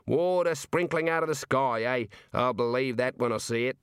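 A man voicing a stubborn, sceptical senior wizard in an audiobook, with a gruff, dismissive, complaining manner. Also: medium pitch, moderate pace, no echo, clean studio sound, lightly acted. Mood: sceptical, grumbling.

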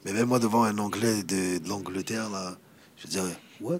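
A man's voice: deep voice, steady tone, normal speed. A man talking as a rapper guest in a casual interview. He is laid-back, keeps asking "you know what I mean" and slips into English.

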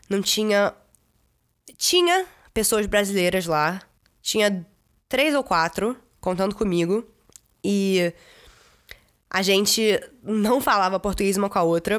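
A young woman from Brazil telling stories in a casual vlog, chatty, full of fillers and the odd swear word. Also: mid-range voice. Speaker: vlogger. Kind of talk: casual storytelling.

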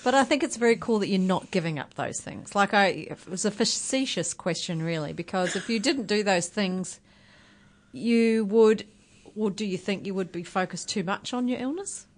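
A woman's voice: medium pitch, moderate pace. A woman hosting a radio interview, asking thoughtful questions and rephrasing them as she goes. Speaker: radio show host.

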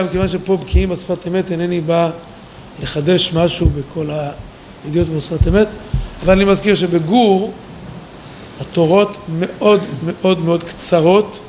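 A man, a rabbi, giving a weekly Torah lesson at a yeshiva, animated and speaking straight to his listeners. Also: high voice, a little hiss or hum. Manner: animated, acts out quoted voices, talks to listeners directly. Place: study hall at a yeshiva.

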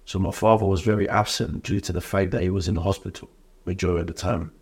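A man in his thirties, from Iraq, speaks with a low, gravelly, husky voice. He tells his life story with earnest emphasis. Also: fairly even intonation, fast, a little mellow. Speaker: guest. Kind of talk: personal life story in an interview.

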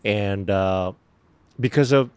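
Low-voiced man with a Korean accent. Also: a little mellow, smooth, dry recording. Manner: earnest, halting speech with fillers and restarts. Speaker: actor guest. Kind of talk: casual interview answers.

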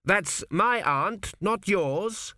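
A man's voice: high voice, lively intonation, very slow, sharp tone, no room sound, studio quality, voice pushed up, exaggerated voice. A man voicing a young king who talks earnestly and a bit nervously, raising his voice now and then. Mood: loud, awkward. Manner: eager, a little raised and nervous.

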